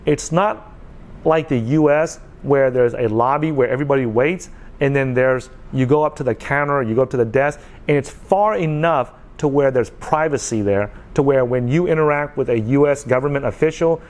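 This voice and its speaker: A man's voice: medium pitch, normal speed, darkish tone. Earnest man in his forties. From United States. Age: 40s. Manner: earnest, repeats points, checks in with okay. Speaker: vlogger. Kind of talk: casual talk to camera.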